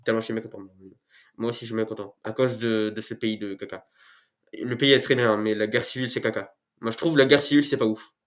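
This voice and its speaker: A man's voice: lowish voice, fairly even intonation, fast talker. Male youtuber, chatty and goofy, self-mocking, a bit sniffly from a cold, talking to camera at home. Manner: rambling, joking, self-mocking asides. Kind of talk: casual talking-head video. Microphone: camera mic.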